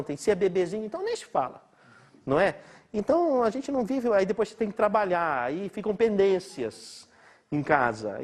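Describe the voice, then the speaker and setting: Man, middle-aged, from Brazil, informal lecture, chatty, laughs a lot, lively up-and-down voice. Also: sits high. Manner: chatty, laughs often, tag questions. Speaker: doctor lecturing.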